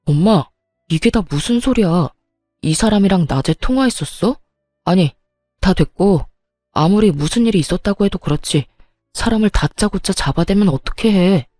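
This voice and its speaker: A woman voicing a young husband who shouts at his mother in an exasperated way in a narrated story. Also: mid-range voice, animated, normal speed, dry recording, faint music behind, natural voice. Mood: angry.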